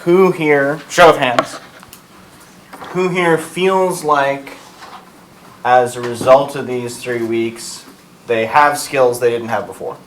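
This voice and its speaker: A man's voice: medium pitch, slow pace, pauses often, a little hiss or hum, low-quality recording. A man facilitating a group discussion at a workshop, prompting the room with questions and an easy joking manner.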